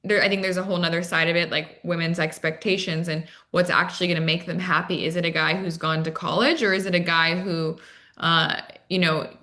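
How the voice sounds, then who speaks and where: A woman's voice: fairly low pitch, fairly even intonation, a little fast, sharp tone. A woman from Arizona with an American accent, talking conversationally as an interview guest and dating coach, casually peppering her speech with "like" and "you know". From Arizona, United States.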